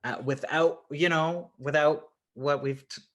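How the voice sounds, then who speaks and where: A man's voice: on the high side, steady tone, unhurried, a bit bright. A man facilitating an informal roundtable, asking questions in an encouraging, carefully phrased way. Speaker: program facilitator, interviewer.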